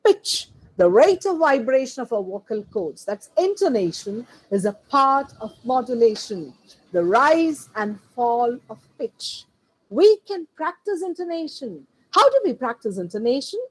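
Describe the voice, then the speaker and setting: A woman teacher trainer delivers a slide-based lecture, ticking off points one word at a time. Her voice sits high and husky. She speaks slowly, with lively rises and falls. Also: rough recording. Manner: slow, deliberate delivery with animated pitch.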